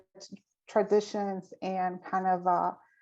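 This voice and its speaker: A woman with a Spanish accent, medium pitch, a dark, mellow tone, and a quiet background. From Mexico City, moved to Chicago at twelve. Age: 40s. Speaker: panelist. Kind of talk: panel discussion.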